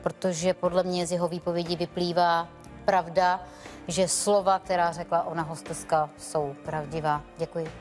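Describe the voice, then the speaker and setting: A woman's voice: fairly low pitch, flat delivery, faint music behind, natural voice. An actress playing a composed female attorney formally questioning a witness in a TV courtroom show. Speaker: lawyer for the petitioner.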